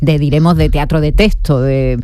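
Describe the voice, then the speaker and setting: A woman's voice: low voice, fairly even intonation, moderate pace, warm tone, no echo. A woman interviewing guests, chatty and admiring, with fillers. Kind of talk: radio interview.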